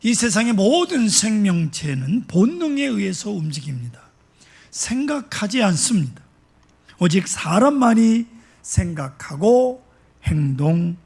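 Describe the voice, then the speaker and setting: A male pastor delivering a slow, emphatic sermon to his congregation, asking rhetorical questions. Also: sits high, sing-song, vocal fry, a little mellow, slightly rough.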